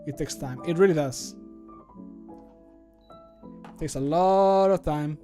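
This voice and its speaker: A man's voice: a little high, slow pace, dark tone, soft background music. A man in his thirties chatting casually and informally as a livestreamer. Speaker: streamer and game modder. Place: small room at home, indoors.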